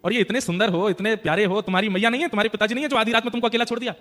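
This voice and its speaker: A man's voice: high voice, fairly even intonation, racing, fairly bright tone. A man voicing a stubborn, lovesick Muslim devotee who talks in an agitated, pleading way. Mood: curious.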